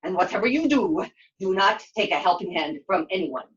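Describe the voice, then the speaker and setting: A woman voicing a gruff, soft-hearted puppet creature who is wary of humans and talks in broken, clipped grammar. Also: mid-range voice, animated, normal speed, reverberant, dull audio, lightly acted. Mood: bossy, grudging. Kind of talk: puppet show character acting.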